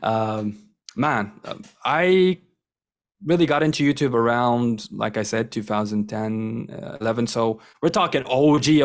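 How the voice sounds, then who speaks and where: A young man whose first language is Turkish, a guest chatting casually in an interview, enthusiastic and rambling with lots of fillers. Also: mid-range voice. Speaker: guest, wrestling content creator.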